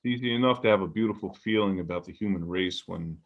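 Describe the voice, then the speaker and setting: A man's voice: deep voice, fast talker. A man reading the part of a disillusioned, self-mocking editor in a stage play, wry and weary, over a video call. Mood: cynical. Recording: dull video call audio.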